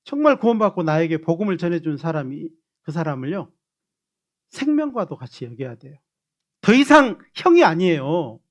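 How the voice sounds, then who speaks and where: A man's voice: a little high, normal speed, dull audio. A man preaching as pastor, coaxing his congregation into greetings before closing in prayer. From Korea. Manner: animated, coaxing the congregation to repeat gestures.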